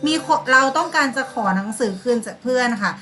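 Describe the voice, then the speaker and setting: A woman's voice: fairly high pitch, animated, fast, sharp tone, soft background music. A woman teacher giving a lesson to primary school pupils, calling on them by name and acting out sample replies. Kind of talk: online class lesson.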